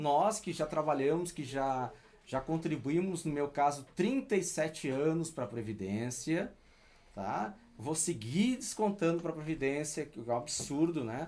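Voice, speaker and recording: In an unremarkable speaking voice, a man with a fairly high pitch talks at a fairly slow pace with lively intonation. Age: 60s. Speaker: retired teacher and artist. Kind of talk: casual interview chat.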